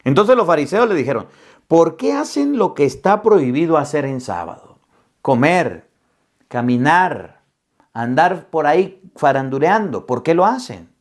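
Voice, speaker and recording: Animated priest telling a story. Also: male voice, fairly high pitch, measured pace. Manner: animated storyteller, acts out quoted dialogue. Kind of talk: storytelling homily.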